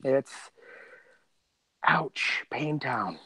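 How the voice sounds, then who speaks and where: A man's voice: mid-range voice, animated, extremely slow, sharp tone, slightly rough, dry recording. A middle-aged man co-hosting a podcast, chatting casually in a rambling, slangy, joking way. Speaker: podcast co-host and co-creator. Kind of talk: casual chat.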